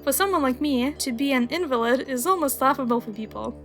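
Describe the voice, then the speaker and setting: A woman's voice: high-pitched, lively intonation, a little fast, fairly bright tone, faint music behind. A young woman whose first language is Russian, narrating a scripted video essay in an earnest, wry, explanatory way. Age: young adult.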